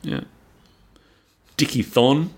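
A man's voice: mid-range voice, extremely slow, husky. A man co-hosting a podcast in casual comedic banter, with a wry, rambling manner. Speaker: podcast co-host.

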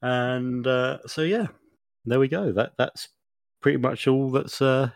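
A man's voice: mid-range voice, unhurried, vocal fry, no echo, studio quality. A man co-hosting a podcast, telling rambling stories full of fillers and sounding a bit sniffly. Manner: rambling, chatty storytelling with many fillers. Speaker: podcast co-host. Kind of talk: casual chat.

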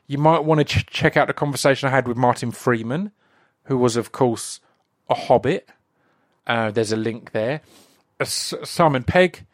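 Chatty and rambling, a male podcast host gives a loose introduction, breaking off and restarting often, with asides along the way. He has a mid-range voice, recorded at studio quality without echo.

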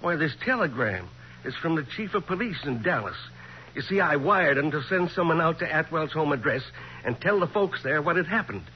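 Actor as folksy high-voiced sheriff. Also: male voice, animated, close to an everyday voice. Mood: folksy, brisk. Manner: folksy, drawn-out, colloquial. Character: genial small-town Texas sheriff, folksy man. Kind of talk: 1940s radio crime drama acting. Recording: muffled, hissy 1940s radio recording.

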